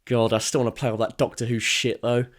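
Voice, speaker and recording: A man's voice: medium pitch, flat delivery, fast talker. A young man narrating a scripted video essay in an enthusiastic, wry, conversational way. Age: young adult. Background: background music.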